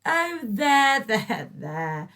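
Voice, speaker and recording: A woman's voice: a little high, sing-song, normal speed, fairly bright tone, voice pushed up. A woman putting on a trilling, syrupy scheming neighbour lady. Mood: gloating. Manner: trilling, gushing, showers everyone with pet names. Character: sickly sweet scheming middle-aged woman neighbour. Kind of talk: storybook reading.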